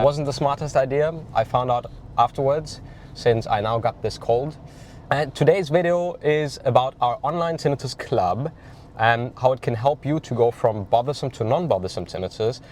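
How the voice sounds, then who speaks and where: A tinnitus coach from Germany vlogs casually while driving, his mid-range, slightly mellow voice nasal from a cold and full of ums and uhs. Faint car noise sits in the background.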